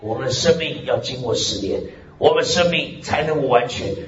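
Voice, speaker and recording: Animated preaching man in echoey hall. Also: mid-range voice, moderate pace. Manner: emphatic preaching, frequent hallelujahs and amens. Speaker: pastor. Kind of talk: sermon. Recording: echoey hall, dull lo-fi sound.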